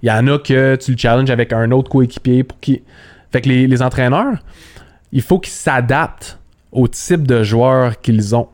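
A man's voice: medium pitch, moderate pace, a little mellow. A man with a Quebec French accent, a basketball analyst talking casually in an interview, repeating words and slipping in English terms.

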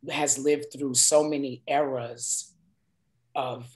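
A woman in her forties from New York, a singer chatting as a guest in an interview and telling stories in an expressive, emphatic way. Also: rumbling low, takes it slowly, a little hiss or hum. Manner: warm, expressive storyteller with emphatic asides. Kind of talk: casual interview chat.

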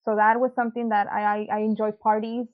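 She talks fast, her medium-pitched voice keeping a level tone. As an interview guest, this young woman from Mexico, raised in South Texas, gives a casual personal testimony, hesitant and peppered with ums and likes, laughing easily. The recording is dull and lo-fi.

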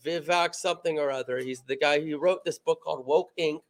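A young man co-hosting a casual political chat in a bar, talking easily and chiming in with quick agreements. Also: a little high, fairly even intonation. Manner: chatty, chimes in with quick agreements. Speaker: co-host.

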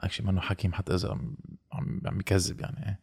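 A man's voice: low voice, little pitch movement, very fast, creaky, darkish tone, slightly rough. A man with a Levantine, Lebanese Arabic accent in casual conversation, switching now and then into English.

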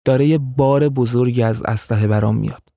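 Brief: a man voicing a calculating tribal chief in an audio story, mellow and dry. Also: mid-range voice, fairly even intonation, no echo, natural voice. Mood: calm. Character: scheming powerful male tribal chief.

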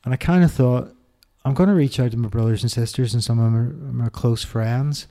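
A middle-aged man with an Irish accent, talking candidly as an interview guest, reflective and halting with many restarts. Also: mid-range voice, warm tone.

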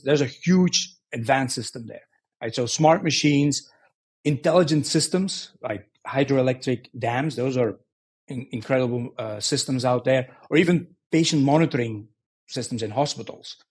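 Belgian-born guy, middle-aged, kinda husky voice, steady explainer on a podcast. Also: medium pitch. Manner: measured, explanatory, frequent restarts. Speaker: guest, engineering executive. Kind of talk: podcast interview answers.

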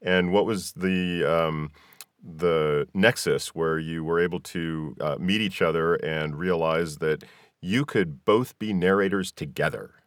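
A man's voice: low voice, fairly even intonation, unhurried, no echo, studio quality. A man hosting a podcast, talking casually as he interviews his guests.

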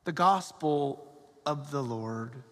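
A man from Georgia, a Catholic priest, reads the gospel slowly and then preaches in a chatty way, asking "right?" as he goes, in a cathedral echo. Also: medium pitch, fairly bright tone. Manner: slow, measured reading, then chatty homily with "right?" asides. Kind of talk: gospel reading and homily. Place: large church. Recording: long church reverb, cathedral echo.

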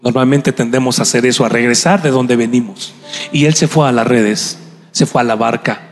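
A man preaching a sermon, telling the story dramatically, acting out scenes and bursting into shouts. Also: medium pitch, moderate pace. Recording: long hall reverb, faint music.

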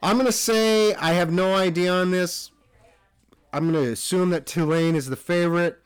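A male podcast co-host rambles casually about sports, correcting himself as he goes. His voice is high and smooth at a normal speed, with no echo at all.

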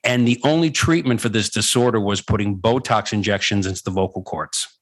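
A man's voice: lowish voice, a little fast. A middle-aged man telling his own story conversationally as an interview guest, emphatic and repeating phrases for effect. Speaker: guest, voice-over coach and former voice actor.

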